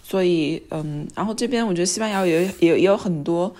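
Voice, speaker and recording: A woman's voice: fairly low pitch, fast talker. A woman co-hosting a casual podcast chat, telling stories with energy and acting out what others said. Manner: animated storyteller, acts out quoted speech. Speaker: podcast co-host.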